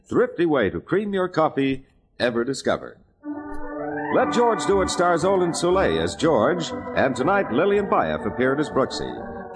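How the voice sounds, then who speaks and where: A man with an American accent reading ads and credits as an old-time radio announcer, polished and emphatic. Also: mid-range voice. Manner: polished, emphatic sales delivery, spelling out words. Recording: vintage radio broadcast with music behind. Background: music.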